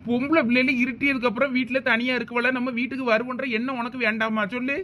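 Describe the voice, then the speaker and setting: A man's voice: very high-pitched, little pitch movement, quick pace, lo-fi sound. A man voicing a stern but doting village father in a cartoon, with a Thoothukudi Tamil accent. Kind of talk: cartoon voice acting.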